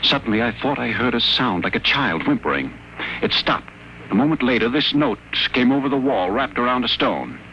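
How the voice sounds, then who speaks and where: An actor playing a wry, wary sanitarium patient with a dry, articulate delivery in a 1950s radio drama. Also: male voice, medium pitch, lively intonation, normal speed, pushed and bright, poor audio. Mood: grave, confiding. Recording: old 1950 radio broadcast, faint noise.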